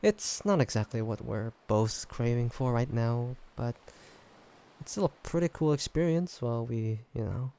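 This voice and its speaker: Tender and a bit hesitant, a man with an expressive, mid-range, slightly gravelly voice plays a loving, teasing human boyfriend on a fancy date. In this intimate one-sided audio drama roleplay, he talks casually and haltingly, chuckling and teasing gently.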